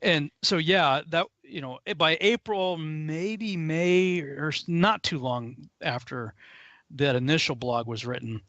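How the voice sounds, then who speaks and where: Man, podcast host, fairly high voice, relaxed, hesitant, dry close sound. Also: a little slow, no echo. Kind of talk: casual conversation. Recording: dull dry recording.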